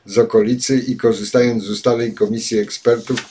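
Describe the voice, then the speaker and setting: An older man giving spoken commentary and reading passages aloud, pausing often with filler sounds, recorded at a desk webcam in a home study. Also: medium pitch, level tone, dark tone, slight background noise. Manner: halting, many filler sounds. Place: home study with bookshelves, indoors.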